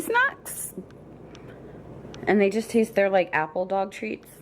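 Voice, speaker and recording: Over noticeable background noise, a woman talks with a Long Island accent. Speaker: dog owner vlogger. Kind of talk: casual product show-and-tell. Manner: chatty, rambling.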